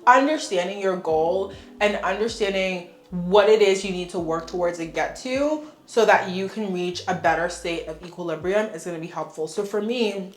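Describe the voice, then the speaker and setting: A woman's voice: fairly low pitch, normal speed, few pauses. A young woman vlogger chatting casually and frankly while doing her makeup, sounding congested and laughing often. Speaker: beauty vlogger. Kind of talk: casual get-ready-with-me chat. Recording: echoey room.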